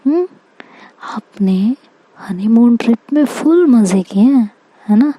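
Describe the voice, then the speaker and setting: A teasing young woman lover, coaxing and playful, speaking slowly in a mellow, somewhat high voice, as a woman storyteller puts her on. Her lines drop to half-whispers. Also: lively intonation, a little hiss or hum, poor audio.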